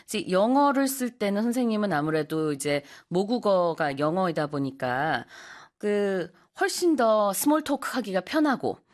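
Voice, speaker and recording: A woman hosting a bilingual radio show in a studio. She reads in English, then retells it in rapid Korean. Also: medium pitch, animated, a little mellow. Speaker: radio host.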